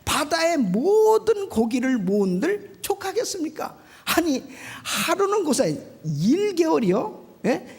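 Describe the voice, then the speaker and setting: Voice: sits high, very animated, a little slow, voice pushed up, heavily acted. A preacher acting out an exasperated old prophet who indignantly protests to God during a sermon. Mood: protesting.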